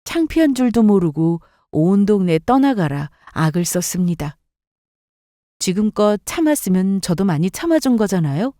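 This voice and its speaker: A woman narrates a scripted first-person story, her telling bitter and resentful. Her voice is mellow and dark. It sounds dry and close to the mic. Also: mid-range voice, big pitch swings, normal speed, dry recording.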